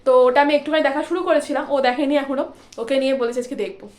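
A woman's voice: sits high, fairly even intonation, racing, a little mellow. A young woman vlogging her day in a chatty way, mixing in English words, filmed on a phone at home and on busy streets. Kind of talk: casual daily vlog chat. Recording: noisy street and room background.

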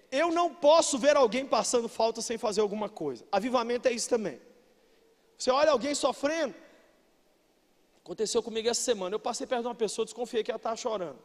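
Very high-voiced Brazilian pastor preaching. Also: male voice. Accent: Brazilian Portuguese. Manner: emphatic preaching, bursting into shouts then dropping low. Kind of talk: sermon. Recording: long reverb of a large hall.

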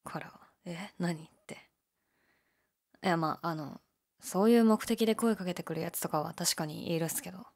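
A young woman playing a laid-back, shyly candid gyaru convenience-store clerk in an audio drama, with a breathy, hesitant, mumbled delivery. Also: moderate pace, a little mellow. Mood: awkward, bemused. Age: young adult. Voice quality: low, breathy. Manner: listless, hesitant, mumbled casual polite speech. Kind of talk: male-oriented situation voice drama, casual chat.

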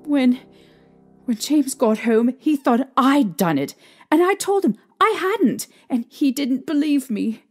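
A woman playing a frightened young mother in an audio drama, recounting a haunting with halting, emotional delivery. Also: high-pitched, big pitch swings, heavily acted. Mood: distressed. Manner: halting, emotional storytelling with trembling pauses. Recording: eerie music behind.

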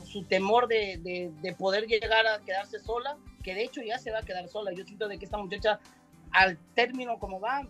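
A man's voice: high voice, a bit bright. A man speaking as a psychic guest on a video call, rambling and repeating his words. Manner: rambling, repeats words, says "directamente" often.

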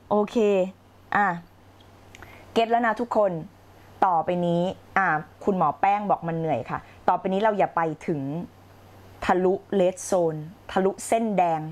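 A middle-aged woman coaching on a live stream, blunt and slangy, acting out her past self with shouted outbursts. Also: medium pitch. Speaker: life coach. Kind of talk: live-streamed motivational talk.

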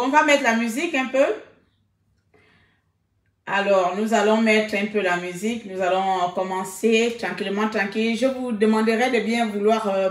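A woman hosting a casual live stream, talking animatedly and repeating exclamations. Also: a little high. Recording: echoey room.

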